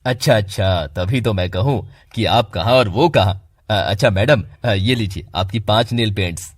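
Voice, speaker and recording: A man playing a husky, two-faced shopkeeper. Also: on the low side, moderate pace, no room sound, studio quality, natural voice. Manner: polite to rich clients, dismissive to poor. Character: rude, moody shopkeeper. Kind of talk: cartoon voice acting.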